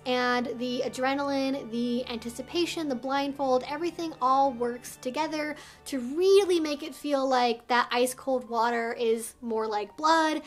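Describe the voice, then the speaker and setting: A woman with a high voice speaks as an educational video host. She takes her time, stressing points in an articulate, explanatory manner. Faint music plays behind her. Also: a bit bright. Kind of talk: instructional talk to viewers, semi-scripted.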